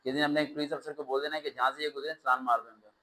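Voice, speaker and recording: Male test-prep teacher, slightly high voice, animated lecturing with sarcastic rants. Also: racing, low-quality recording. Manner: animated, ranting with sarcastic asides. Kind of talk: classroom lecture.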